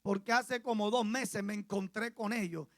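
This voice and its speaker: Man, pastor, Colombian Caribbean accent, sermon, storytelling, repeats for emphasis, soft to loud swings, dry close sound. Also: sits high, fairly even intonation, normal speed, dry recording. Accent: Colombian Caribbean Spanish. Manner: passionate preaching that swings from quiet to loud.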